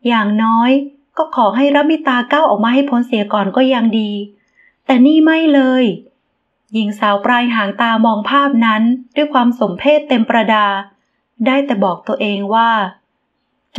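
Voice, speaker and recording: A woman reading a romance novel aloud in a steady, expressive storybook narration. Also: on the high side, narrow, tinny audio. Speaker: audiobook narrator.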